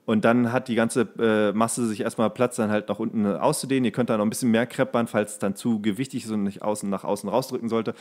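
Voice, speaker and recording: A man chatting casually as a podcast host, telling anecdotes in a halting way and often correcting himself. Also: fairly low pitch, fairly even intonation, darkish tone. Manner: halting, self-correcting storytelling. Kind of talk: casual chat, rambling anecdote.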